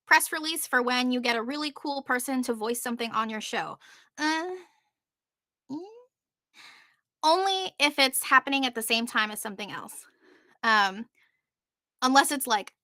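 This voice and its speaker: A woman's voice: fairly high pitch, bright, forceful tone, no echo, clean studio sound. A woman presenting on a panel in an informal, chatty way, often breaking off into asides. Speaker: panelist presenting on podcast marketing.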